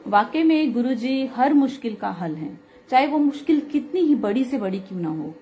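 A woman's voice: a little high, warm tone. A woman with a sore throat, earnestly recounting a devotional experience in casual spoken testimony. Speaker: devotional speaker sharing a satsang.

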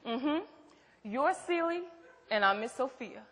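An actress playing a bold, teasing, bossy best friend with a sharp tongue in a stage play. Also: female voice, high voice, animated, measured pace. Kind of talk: theatrical stage play acting. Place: stage in a theatre hall. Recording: echoey theatre hall, faint noise.

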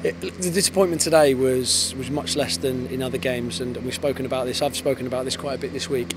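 A man in his thirties, an English football head coach, giving a post-match interview outdoors on a floodlit pitch at night, fast and thoughtful with many restarts. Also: steady tone. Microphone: handheld interviewer mic. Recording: outdoor with clear background noise.

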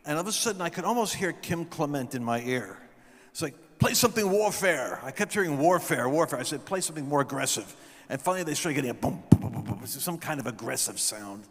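A middle-aged man telling stories from a stage, preaching into a handheld mic and building up to shouted proclamations. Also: on the high side, expressive, fast. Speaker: guest speaker. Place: large event hall stage. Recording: long hall reverb.

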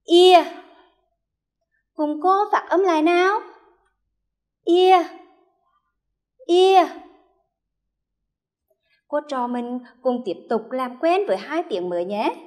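A woman's voice: high-pitched, expressive. A woman primary school teacher with a Hue accent, leading a first-grade reading lesson and carefully modeling each sound for children to repeat. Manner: slow, careful modeling of sounds, drawn-out repetitions for children to echo.

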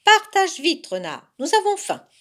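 A woman voicing two greedy young male bear cubs who whine and bicker in a shrill voice. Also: wildly swooping pitch, a little slow, a bit bright, slight background noise, heavily acted. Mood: quarrelsome. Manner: shrill and whiny.

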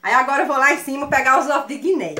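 A woman with a Northeastern Brazilian accent telling a funny story to her viewers, animated and laughing often. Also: high-pitched, rapid-fire, a little hiss or hum. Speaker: vlogger. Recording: echoey room sound.

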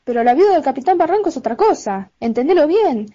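A woman's voice: sits high, very animated, fast talker, mellow. A young woman playing a domineering, scolding middle-aged widowed mother in an amateur radio play, with a Buenos Aires accent. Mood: hard, exalted. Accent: Argentine (Buenos Aires). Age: teenager or young adult. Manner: bossy, exclamatory. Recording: dull lo-fi home recording.

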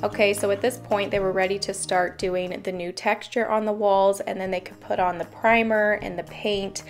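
A woman's voice: medium pitch, little pitch movement, moderate pace. A young woman, a home renovation vlogger, narrating a voice-over in a cheerful, chatty way and explaining each step. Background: faint background music.

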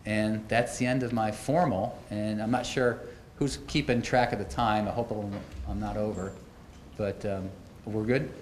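A man's voice: on the low side, fairly even intonation, measured pace. A middle-aged man giving a conference keynote at a podium, telling stories in a conversational way with wry asides. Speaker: keynote speaker. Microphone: podium microphones. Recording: echoey auditorium, faint noise.

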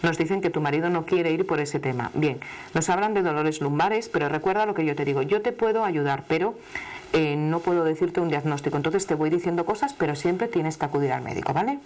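A woman's voice: sits low, brisk, darkish tone. A middle-aged woman from Asturias with an Asturian accent, giving a live television tarot reading to a caller in an emphatic, familiar, chatty way. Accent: Asturian Spanish. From Asturias, Spain. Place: television studio. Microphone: studio microphone, seated at desk.

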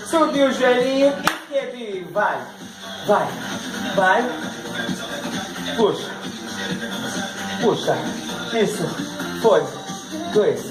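A middle-aged man with a Brazilian accent leads an exercise class for older pupils, counting and cheering them on between laughs. He is picked up by a camera across an echoey living room. Music plays steadily behind him. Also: very high-pitched. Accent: Brazilian Portuguese. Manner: upbeat counting and cueing, frequent laughs. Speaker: fitness instructor.

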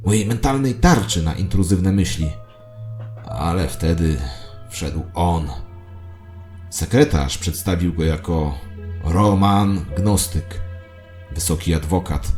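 A man's voice: low-pitched, a little mellow. A man narrating a scripted first-person audio drama as a storyteller.

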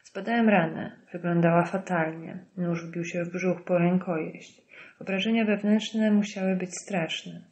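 A woman reading an audiobook as narrator in a steady, measured way. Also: on the low side, highs cut off. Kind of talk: scripted narration.

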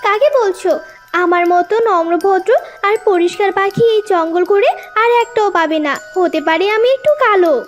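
A woman's voice: extremely high pitch, moderate pace, soft background music. A woman voicing a cheeky, quarrelsome little bird in a children's cartoon, defiant and argumentative. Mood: indignant.

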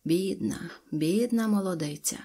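A woman voicing a sympathetic male Cossack warrior who speaks in a soft, sighing tone. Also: lowish voice, measured pace. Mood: sad.

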